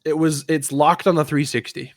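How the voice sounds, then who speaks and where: A man's voice: fairly high pitch, fairly even intonation, moderate pace. A man co-hosting a casual gaming podcast, talking insistently and often repeating his phrases to get his point in. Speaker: podcast co-host.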